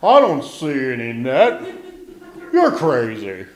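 A man voicing a gruff, dismissive male grouper fish in a children's storybook. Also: mid-range voice, wildly swooping pitch, slow, pitched below the performer's own voice. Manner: dismissive, blunt. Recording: roomy, echoing space.

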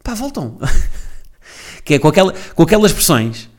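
A man's voice: on the high side, big pitch swings, normal speed. Sarcastic man with a Portuguese accent. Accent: European Portuguese. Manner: sarcastic, mocking rant with frequent tag questions. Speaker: podcast host. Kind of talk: solo comedic monologue. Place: at home, alone.

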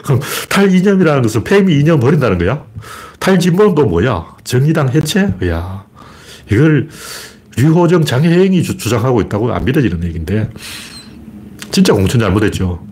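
A man's voice: mid-range voice, big pitch swings, brisk, a little mellow. A middle-aged man hosting a solo political commentary livestream, talking bluntly and colloquially and answering his own rhetorical questions. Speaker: livestream host.

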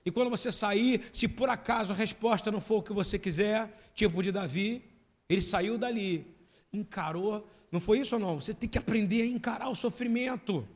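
A man's voice: high voice, fairly quick. A man preaching a sermon as pastor, emphatic and full of questions to the congregation. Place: church hall. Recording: long hall reverb.

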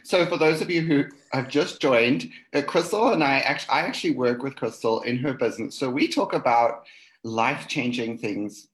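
A man's voice: mid-range voice, moderate pace. A South African man, a guest in a casual video-call chat, who laughs easily and swears casually.

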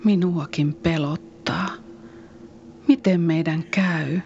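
Woman as a sorrowful follower, consoling, whispery, low voice, dull lo-fi, radio play. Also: fairly even intonation, a little hiss or hum. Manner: consoling, soft, often whispering.

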